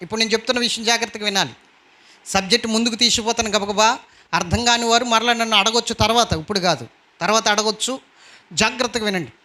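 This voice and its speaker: A man's voice: high voice, steady tone, fast, bright, forceful tone. A man preaching a sermon as pastor, emphatic and repeatedly calling out questions to his congregation.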